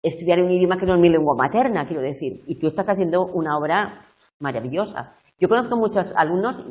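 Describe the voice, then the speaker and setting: A woman's voice: on the low side, animated, quick pace. Woman tutor, muffled lecture. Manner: explanatory, checks in often with "¿eh?" and "¿de acuerdo?". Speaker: university tutor. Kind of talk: live video tutorial lecture. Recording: muffled lo-fi classroom recording.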